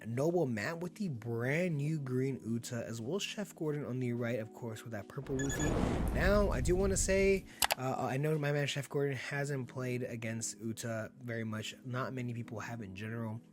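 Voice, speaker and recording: A man whose voice is slightly hoarse from being sick provides relaxed, cheerful commentary on a card game as it unfolds, often breaking into laughter. He speaks in a mid-range voice at a moderate pace.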